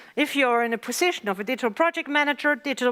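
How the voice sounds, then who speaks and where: A woman with a non-native accent speaks at a high pitch with ordinary pitch variation, the sound dry and close with no echo. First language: not English. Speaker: workshop trainer. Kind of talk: lecture.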